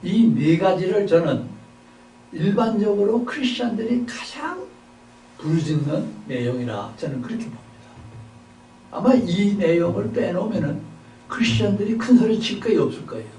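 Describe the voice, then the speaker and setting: A man preaching a sermon, asking rhetorical questions and swinging between loud and soft delivery. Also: high voice, very animated, moderate pace, slight background noise. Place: seminary chapel service. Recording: echoey hall, mic at a distance.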